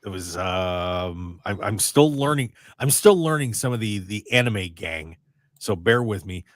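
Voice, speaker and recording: Raspy radio host guy, rambly and excitable, dry studio sound. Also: on the low side, measured pace, no room sound. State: raspy, strained voice. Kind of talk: casual radio chat.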